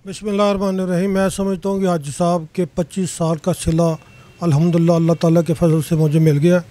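Mellow high-voiced man giving an interview. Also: flat delivery, fast. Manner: grateful, devout phrasing. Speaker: trade association leader. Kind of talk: interview answer. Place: crowded indoor office. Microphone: handheld mic.

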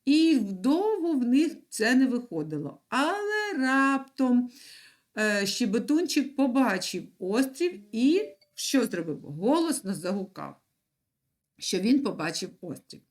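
A woman teaching young children in an online lesson, speaking slowly and clearly and repeating words for them to write down. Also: fairly high pitch, sing-song, a little mellow. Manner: patient, slow and clear, repeats words for dictation. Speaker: primary school teacher.

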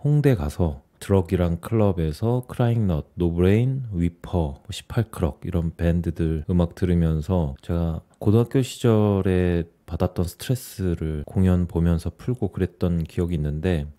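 A man in his forties hosting his channel and calmly reading an essay aloud in a small home studio. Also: sits low, moderate pace, hardly any pauses. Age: 40s. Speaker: YouTube host. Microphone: studio mic on boom, headphones.

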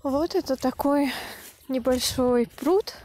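A young woman vlogging with a camera held at arm's length, calmly explaining as she walks through a country house and its yard, speaking slowly and clearly for language learners. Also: high-pitched, a little hiss or hum. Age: young adult. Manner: calm, unhurried, deliberate explaining. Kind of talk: slow, clear Russian for learners. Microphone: handheld camera at arm's length.

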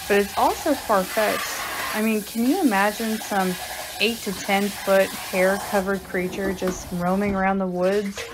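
An actress plays a wry daughter in a radio drama, with a medium-pitched female voice. She sounds conversational and skeptical, over faint background noise. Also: lightly acted. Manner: conversational, sardonic.

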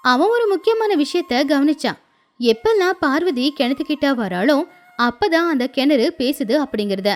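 A woman storyteller giving an expressive scripted narration of a bedtime moral story. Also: high-pitched.

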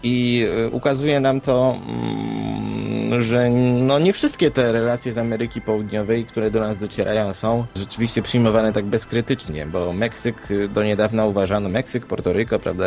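A man co-hosting a podcast, discussing reports conversationally in a halting, hesitant way with filler words. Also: on the low side, steady tone, vocal fry, a little mellow. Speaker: podcast co-host. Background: background music.

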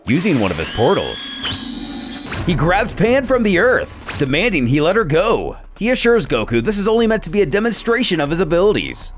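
A man narrating a scripted story recap in a dramatic storytelling style. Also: a little high.

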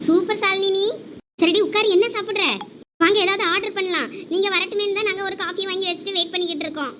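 A woman voicing a lively young village wife and her friends in a comedy drama, bossy, teasing and chatty. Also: extremely high pitch, fast, a little hiss or hum.

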